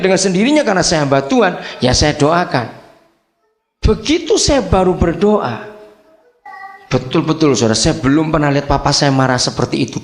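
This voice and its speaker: An older man preaching a sermon, emphatic and repetitive, calling for amens and acting out dialogue as he tells stories. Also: sits high. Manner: animated storyteller acting out dialogue. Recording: echoey hall.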